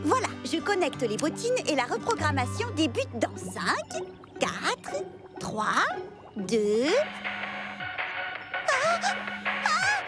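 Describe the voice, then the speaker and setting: A woman voicing an excitable, boastful young girl who flusters easily, in a French cartoon dub with gushing, theatrical delivery. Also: high-pitched, slow, long pauses, over loud music, full character voice. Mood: panicked. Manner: gushing, theatrical, hesitant when caught out.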